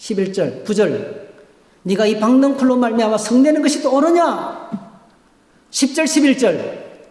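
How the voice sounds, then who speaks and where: A man preaching a sermon as pastor, emphatic, swinging between loud peaks and quiet stretches. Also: very high-pitched, expressive, moderate pace, pauses often. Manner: emphatic preaching with sweeping rises and drops in volume. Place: church sanctuary. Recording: echoey church hall.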